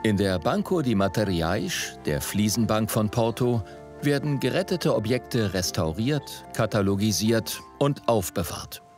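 A man reading scripted voice-over narration for a TV report in a measured, even way. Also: on the low side, music in the background. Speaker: documentary narrator.

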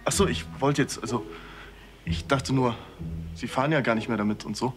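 A man's voice: mid-range voice, a little fast, soft background music, natural voice. A young man acting as a friendly, somewhat tactless character in a naturalistic TV drama, casual and conversational.

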